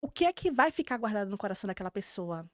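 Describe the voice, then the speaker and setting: A woman's voice: mid-range voice, very animated, rapid-fire, dry recording, studio quality. A woman with a Brazilian Portuguese accent, a Christian therapist, telling stories from her practice in earnest and acting out her clients' words. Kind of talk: podcast conversation.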